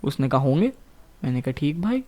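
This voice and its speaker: A man's voice: medium pitch, brisk. A young man in his late teens from Bhopal, India, telling a school story in casual podcast chat, cursing a lot and slipping English phrases into his talk. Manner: profane, animated, mixes English phrases into Hindi. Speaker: podcast co-host.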